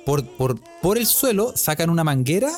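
A man's voice: on the high side, big pitch swings, moderate pace, soft background music. A man with a Chilean Spanish accent co-hosting a casual chat, joking, laughing often and using a lot of slang. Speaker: podcast co-host.

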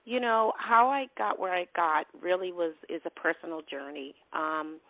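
A woman's voice: on the low side, moderate pace, dry recording. A middle-aged woman from Boston with a Boston accent, an earnest nonprofit leader answering interview questions, repeating and restarting her phrases as she speaks. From Boston, USA. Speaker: nonprofit president, guest. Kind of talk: interview conversation. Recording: tinny phone-like line.

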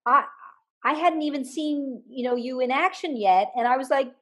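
A woman's voice: high-pitched, normal speed. A woman author, a guest on an interview show, telling anecdotes with laughter and repeating words as she thinks aloud. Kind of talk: storytelling interview talk.

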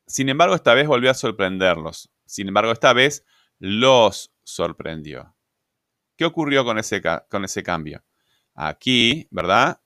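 Guy teaching grammar, lowish clear voice, dry close mic, lots of "este" and "verdad". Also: bright, forceful tone, no room sound. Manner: explanatory, asks rhetorical questions, frequent "¿verdad?" and "este" fillers. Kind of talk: recorded grammar lecture.

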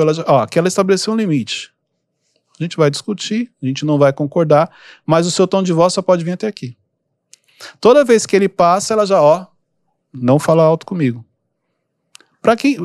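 A calm, easygoing man with a Brazilian Portuguese accent talks through advice on his podcast, patient and explanatory. His voice sits a little on the high side. The sound is dry and close, with no room echo. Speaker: podcast host and mentor. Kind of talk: casual advice podcast talk.

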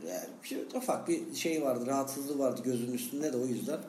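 A man's voice: medium pitch, fast, darkish tone, slight background noise. A man chatting casually as a podcast co-host, teasing and jokey, full of slangy exclamations. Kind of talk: casual banter with a friend. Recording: roomy, echoing room sound.

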